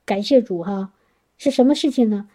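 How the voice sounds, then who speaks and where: A woman's voice: mid-range voice, normal speed, warm tone. A woman speaking to a congregation, sharing a personal testimony in an earnest, chatty way with frequent restarts. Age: adult working professional.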